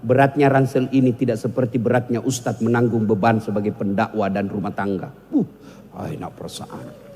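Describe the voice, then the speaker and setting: A man's voice: medium pitch, flat delivery, brisk, few pauses, a little mellow. A man preaching a humorous sermon, joking with the audience and sometimes breaking into song. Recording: long hall reverb.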